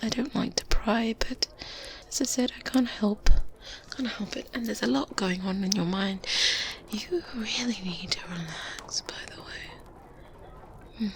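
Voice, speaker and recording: A woman playing a kindly, wise older witch in a softly spoken, whispered ASMR roleplay, with gentle, pensive pauses. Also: mid-range voice, close to an everyday voice. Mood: wry, soothing. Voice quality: soft, breathy, mostly whispered. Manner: unhurried, gentle, pensive, with murmured hums and pauses. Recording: faint ambient noise bed. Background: medieval ambience sounds.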